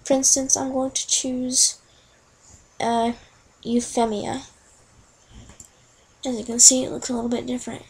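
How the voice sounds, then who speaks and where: Young woman, breathy and fairly high, casual screen-recording tutorial, talks through her clicks. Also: flat delivery, a little slow, pauses often, darkish tone, low-quality recording. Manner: chatty, talks through each click as she goes. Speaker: tutorial narrator.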